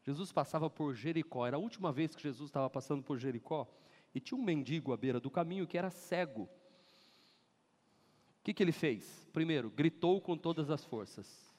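A Brazilian man preaching a lively sermon as pastor, acting out scenes and leading the congregation to read aloud together. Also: on the high side, fairly quick. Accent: Brazilian Portuguese. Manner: animated, acts out scenes and leads congregation in shouting. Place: large church hall. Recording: long church hall reverb.

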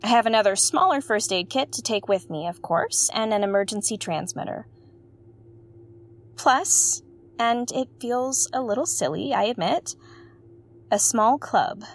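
Earnest, theatrical space investigator. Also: female voice, fairly high pitch, expressive. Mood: chatty, determined. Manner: theatrical, articulate, musing with dramatic pauses. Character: Nym, earnest woman investigator hosting her own space mystery show. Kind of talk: audio drama narration, like a spoken field log.

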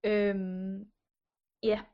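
A woman narrating an improvised story in a hesitant, halting way. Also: mid-range voice, level tone, clean tone. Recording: dull lo-fi recording.

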